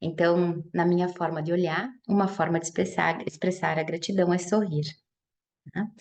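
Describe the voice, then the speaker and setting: A woman speaks with a southern Brazilian accent. She keeps a moderate pace. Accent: Gaúcho accent, noticeable. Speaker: integrative therapist and teacher. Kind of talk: spiritual talk in online group meeting.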